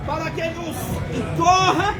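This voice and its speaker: Brazilian guy preaching hard, high pitched, yelling bits, big crowd noise behind. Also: fairly even intonation, normal speed. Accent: Brazilian Portuguese. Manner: impassioned, often shouting, repeats words for emphasis. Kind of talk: fiery end-times sermon.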